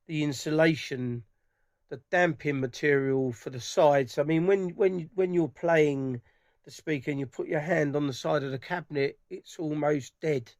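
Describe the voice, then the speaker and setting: A middle-aged man talks casually about his speakers, circling back and restarting as he goes. His voice sits a little higher than most men's. The recording is dry and close, with no room sound. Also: dry recording. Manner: rambling, enthusiastic, many restarts. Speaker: audio hobbyist vlogger. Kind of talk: casual product impressions. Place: dark room at home.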